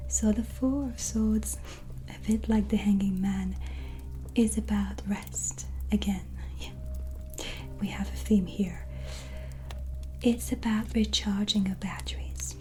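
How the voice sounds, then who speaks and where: A woman playing a gentle, reassuring white witch tarot reader in a breathy, soft-spoken ASMR whisper. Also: mid-range voice, fairly even intonation, natural voice. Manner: slow, pausing, soothing, reflective. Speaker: ASMR roleplayer giving a tarot reading. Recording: soft music behind close voice. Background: soft relaxing music.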